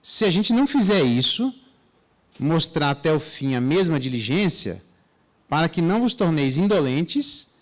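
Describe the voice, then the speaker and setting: Animated Brazilian pastor, lively pitch. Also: male voice, moderate pace. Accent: Brazilian Portuguese. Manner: casual and animated, with slang asides and mock dialogues. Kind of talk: expository Bible teaching. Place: church.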